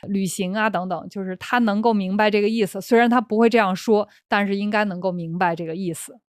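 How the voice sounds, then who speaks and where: A woman's voice: mid-range voice, fairly even intonation, quick pace, dry recording, clean studio sound. A young woman with a Beijing accent, hosting and explaining words to learners in casual chat, often laughing. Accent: Beijing Mandarin. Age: young adult. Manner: chatty, breaks into laughter, restarts phrases. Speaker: Chinese teacher and host.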